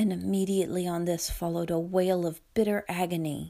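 A woman's dark, mellow, soothing and dramatic tone at a fairly slow pace, on a very clean recording with a silent background. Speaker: podcast host and storyteller. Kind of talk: bedtime story narration, mythic storytelling. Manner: slow, soft, soothing, measured; dramatic, lyrical, shifts tone for characters like Loki.

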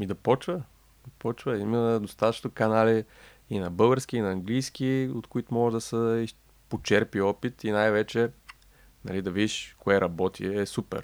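Over a silent background in a very clean, dry, close recording with no echo, a man speaks in a calm tone at medium pitch. His pace is moderate and his pitch variation ordinary. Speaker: cooking YouTuber and cookbook author. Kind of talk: casual interview.

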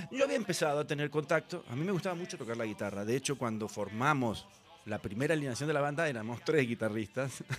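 Fairly high-pitched, a man rattles along at a very fast pace. His intonation is lively. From Argentina, Santa Fe province. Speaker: music manager and former bassist. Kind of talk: casual interview chat.

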